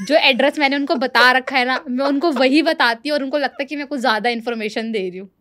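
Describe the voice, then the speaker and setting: A young woman with a fairly high voice tells a story in a casual podcast conversation. She is a PR manager and a guest on the show. She acts out every quoted line as she goes. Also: fast, a little hiss or hum. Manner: animated, acts out quoted dialogue.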